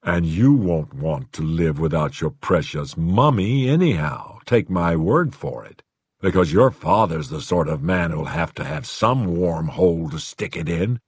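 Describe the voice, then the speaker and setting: A man's voice: sits low, big pitch swings, a little slow, creaky, breathy edge, dry recording, pitched below the performer's own voice, full character voice. A man voicing a guttural, hungry demon in a black suit. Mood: teasing. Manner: teasing, petulant, greedy. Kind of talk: audiobook character voice.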